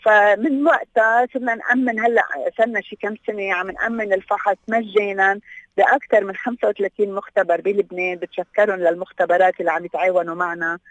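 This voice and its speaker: Lebanese levantine arabic woman guest on radio, talks fast, bit muffled, some english words mixed in. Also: mid-range voice, steady tone, dry recording. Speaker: guest, health awareness association representative. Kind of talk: radio interview, explanatory talk.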